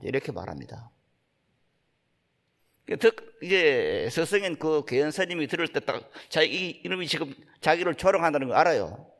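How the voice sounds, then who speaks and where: An older Buddhist monk from Gyeongsang with a Gyeongsang accent, giving a dharma talk in folksy, unhurried storytelling. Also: male voice, fairly high pitch, sing-song, fairly bright tone. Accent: Gyeongsang Korean. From Gyeongsang province, Korea. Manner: folksy, unhurried storytelling, acting out quoted speech. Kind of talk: sermon storytelling.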